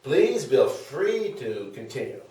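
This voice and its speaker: Casting: actor as aging Greek philosopher husband, stage comedy, mid-range, smug and wordy, distant in an echoey room. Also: male voice, medium pitch, very animated, slow pace, dark tone. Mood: mock concern. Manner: hesitant, wordy, mock-sweet, theatrical. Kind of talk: comedic stage table read.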